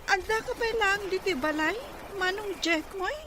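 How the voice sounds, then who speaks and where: A woman's voice: very high-pitched, moderate pace, sharp tone. A woman playing a young female cousin and dutiful granddaughter in an Ilocano audio drama. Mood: questioning. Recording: noisy amateur recording.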